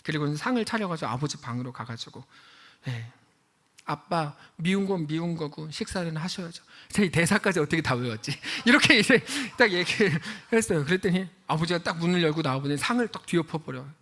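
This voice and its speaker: Animated, high-voiced male pastor preaching. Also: fast. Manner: animated, acts out drama dialogue with raised voice. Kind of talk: sermon.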